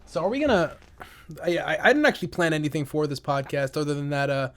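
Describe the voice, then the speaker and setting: A man's voice: a little high, very animated, fast talker. A man hosting a podcast in casual, jokey chat. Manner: jokey, bursts into mock announcer voices. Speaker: podcast host.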